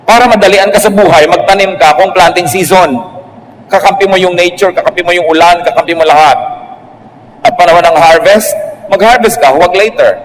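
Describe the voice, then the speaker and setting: A Filipino-accented male pastor preaching in a relaxed, chatty way, tossing in jokes and leaping up high in pitch when he makes a point. His voice sits a little high for a man. The sound has a long hall reverb with a faint hiss of noise underneath. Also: a little fast. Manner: conversational, joking preacher with sudden high pitch jumps. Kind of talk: sermon.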